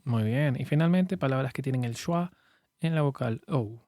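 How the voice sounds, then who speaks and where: A man teaching English pronunciation in a patient, clear way, saying model words slowly for learners to repeat. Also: medium pitch, mellow, no room sound, studio quality. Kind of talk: shadowing lesson, repeat-after-me drills.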